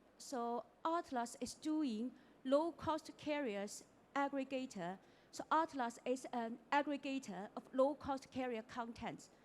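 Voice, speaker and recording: A woman's high voice with a Chinese accent, very slow pace and ordinary pitch variation. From China. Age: middle-aged. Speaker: tech start-up founder and CEO. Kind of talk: panel presentation.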